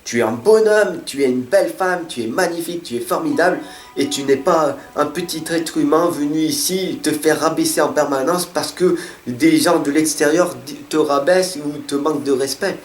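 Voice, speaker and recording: In an echoey room with faint music, a card reader delivers his weekly tarot guidance talk straight to the listener. He speaks earnestly and encouragingly, at normal speed, with a voice that runs a little high.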